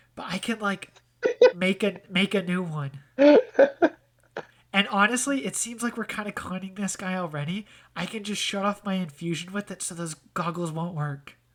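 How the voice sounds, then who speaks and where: A woman's squeaky, put-on character voice at a moderate pace. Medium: actual play. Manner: squeaks between phrases.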